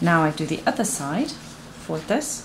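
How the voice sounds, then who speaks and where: Noticeable background noise behind a woman's voice. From Germany. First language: German. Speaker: seamstress and sewing teacher. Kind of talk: sewing tutorial talk to camera. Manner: casual, upbeat.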